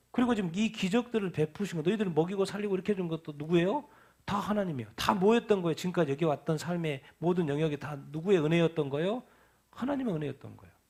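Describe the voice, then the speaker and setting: A male pastor preaches at a midweek Bible study in a fairly high, gravelly voice with a husky edge. He drives his points home by asking the congregation questions and answering them himself. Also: a little mellow. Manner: reads scripture aloud slowly before preaching.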